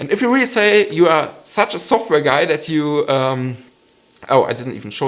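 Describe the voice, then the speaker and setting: Speaking at a moderate pace with a German accent, a man uses a fairly high pitch with very wide pitch swings and vocal fry. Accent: obvious German. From western Germany. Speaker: maker and YouTuber. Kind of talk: live stream Q&A. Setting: live stream. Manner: hesitant, many fillers.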